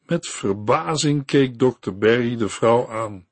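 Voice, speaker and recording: A man narrating a Christian story in a calm, measured reading voice. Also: medium pitch, no echo. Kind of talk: read-aloud Christian story.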